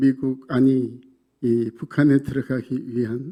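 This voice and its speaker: Speaking at a very slow pace, a man uses a dark, mellow tone and fairly even intonation. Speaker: retired pastor, missionary. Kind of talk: sermon. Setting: church, devotional service. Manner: casual, filler-heavy speech.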